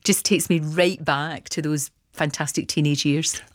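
Glasgow lady telling stories, low voice, dry close studio sound, lots of wee this and that. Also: a little slow, dry recording. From Scotland. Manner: chatty, animated storyteller with Scottish words like wee. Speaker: guest. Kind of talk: casual radio interview chat.

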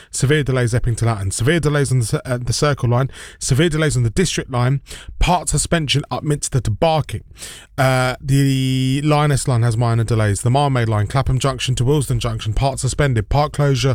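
A man presenting a live radio news and travel bulletin in a brisk, chatty, informal way. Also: mid-range voice, no echo, studio quality.

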